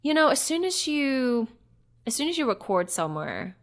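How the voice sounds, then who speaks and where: A woman's voice: sits high, very animated, moderate pace. A woman in her thirties from Norway, an actress chatting as an interview guest, reflective and full of fillers and restarts. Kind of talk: casual interview chat.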